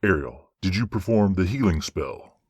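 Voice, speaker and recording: Male angel judge, voiced by an actor: low, formal, commanding yet fair, with a dry, close sound. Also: normal speed, dry recording. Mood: measured, questioning. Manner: formal, commanding, even-handed. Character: measured, authoritative male judging archangel. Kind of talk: dramatic audio roleplay acting.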